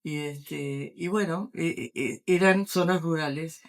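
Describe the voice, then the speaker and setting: Older Argentine woman, author being interviewed; halting, full of pauses and restarts. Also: low-pitched. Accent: Argentine Spanish. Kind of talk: book presentation interview.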